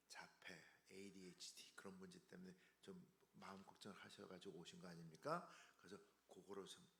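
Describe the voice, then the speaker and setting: Low, gravelly man, halting. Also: a bit bright, a little hiss or hum. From Korea, later raised in the United States. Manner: halting, stumbles over words, restarts. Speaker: seminar speaker, health researcher. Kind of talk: informal health seminar lecture. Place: indoor seminar room. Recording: roomy, echoey seminar room.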